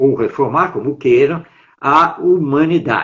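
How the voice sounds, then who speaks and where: Lively in intonation, a man delivers his words at a fairly slow pace. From Brazil, São Paulo city. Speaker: spiritist educator and writer. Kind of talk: lecture-style talk in a live interview; personal anecdote. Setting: Instagram live.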